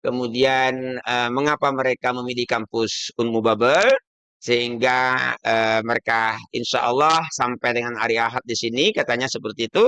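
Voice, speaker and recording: Guy hosting a chat stream, bright forward voice, dry sound, chatty. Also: medium pitch, fairly even intonation, normal speed, clean tone, no room sound. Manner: chatty, repeats guests' words. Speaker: host. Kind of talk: informal live-stream hosting.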